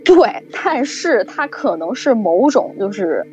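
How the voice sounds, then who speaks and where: A woman telling a story in casual chat, lively and acting out the people she quotes. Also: on the high side, slow pace, soft background music. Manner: animated storytelling, acts out quoted voices. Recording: dull lo-fi recording.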